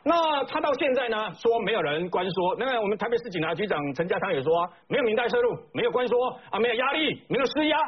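A political commentator with a Taiwanese Mandarin accent delivers indignant talk show commentary packed with emphatic rhetorical questions. His high, slightly rough voice is expressive and quick with few pauses, heard through slightly dull broadcast audio.

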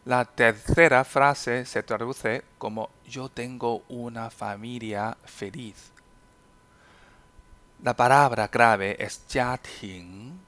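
A male Chinese teacher whose first language is Chinese, giving a podcast language lesson. He talks at a very slow, deliberate pace, spelling out sounds and repeating example sentences with careful enunciation. His voice sits at an ordinary middle pitch. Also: fairly even intonation, fairly bright tone.

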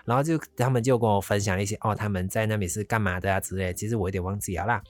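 A man's voice: lowish voice, fairly even intonation, rapid-fire, no room sound. Chatty man. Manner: rambling, chatty, slips into English phrases. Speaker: vlogger. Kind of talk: casual travel storytelling.

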